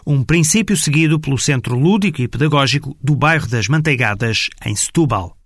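A man reading a scripted news report voice-over with a measured, formal delivery. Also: medium pitch, lively intonation, a bit bright, slightly rough, no room sound. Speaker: reporter narrator. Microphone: studio voice-over.

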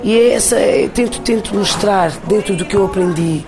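A woman from Portugal with a European Portuguese accent and a deep, thick voice, telling her story casually as an interviewed singer. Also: normal speed. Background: music.

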